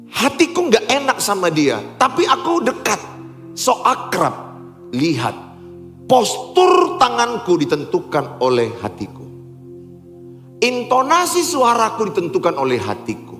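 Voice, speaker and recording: A male pastor delivers a sermon, swinging from loud, emphatic lines to low, quiet ones. His voice sits high for a man and is very lively in pitch. It rings through a large, echoey church hall over soft music.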